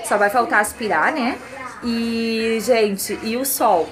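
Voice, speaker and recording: Over background music, a home vlogger from southern Brazil chats casually to her handheld phone camera while cooking and cleaning in her kitchen. Her voice is fairly high and slow, and her talk is full of tag questions and fond diminutives.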